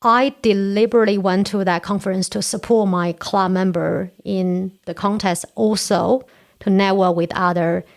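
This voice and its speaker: A woman's voice: medium pitch, fairly even intonation, moderate pace, vocal fry. A woman in her forties from China, whose first language is Korean, speaking earnestly as an interview guest. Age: 40s. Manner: earnest, explains step by step. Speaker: podcast guest, Toastmasters area director. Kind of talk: casual interview chat.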